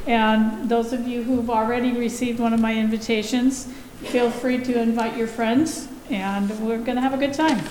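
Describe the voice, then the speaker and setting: A woman's voice: a little high, fairly even intonation, moderate pace, a little mellow. A woman making a friendly announcement about a youth event at church. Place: church sanctuary. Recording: echoey church hall, faint noise.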